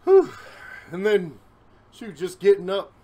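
Man, home vlogger, rambling and self-deprecating, higher-pitched voice, a touch winded, self-shot on a phone. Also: unhurried, a bit bright. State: a little out of breath. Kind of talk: casual solo vlog. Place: his home. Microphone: phone camera, recording himself.

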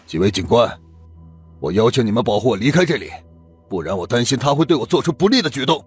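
A man's voice: mid-range voice, sing-song, fast, slightly rough, soft background music. A man playing a cold, indignant son-in-law in an audiobook drama, stiff in manner.

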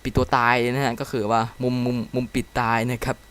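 A man giving casual commentary while playing a game. He reacts excitedly and reads the dialogue aloud. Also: mid-range voice, brisk. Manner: chatty, explains controls to viewers. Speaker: game let's-play commentator.

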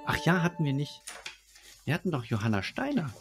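A man's voice: fairly high pitch, wildly swooping pitch, brisk, music in the background. A man co-hosting a podcast in a casual, conversational style. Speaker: podcast co-host. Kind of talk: casual chat.

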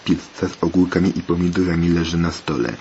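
A man's voice: deep voice, level tone, fast talker, dark tone, natural voice. A man reading a brusque pizzeria owner. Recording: muffled lo-fi with faint hiss.

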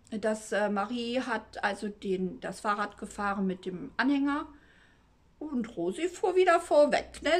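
Woman storyteller, casual, rambling, lots of fillers and restarts, chatty asides, knitting host. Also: on the high side.

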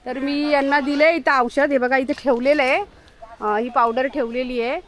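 A woman's voice: high voice, steady tone, normal speed. A woman vlogging outdoors, chatting casually and coaxing animals along the street. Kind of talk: casual outdoor vlog chat.

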